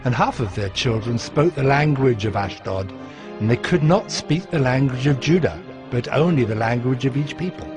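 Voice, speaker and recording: A man's voice: mid-range voice, animated, moderate pace, over music, close to an everyday voice. An actor playing a stern, devout governor of ancient Judah, recounting his deeds solemnly and emphatically in a dramatized scripture reading. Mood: firm recounting.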